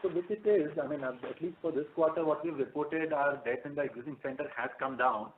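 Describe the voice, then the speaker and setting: Indian finance executive on a noisy phone line. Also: male voice, fairly high pitch, fairly quick. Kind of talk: corporate conference call answers. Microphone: telephone conference line. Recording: narrowband phone line with background noise.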